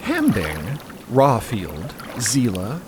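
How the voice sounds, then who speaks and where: A man narrating a scripted fiction podcast in a measured manner, savoring descriptive phrases. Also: mid-range voice, huge pitch swings, noisy background.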